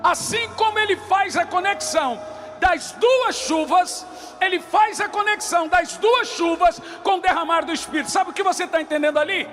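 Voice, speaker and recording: A man's voice: extremely high pitch, normal speed, a bit bright, soft background music. A Brazilian man preaching an impassioned sermon as a pastor, emphatic and declamatory, often raising his voice and repeating phrases.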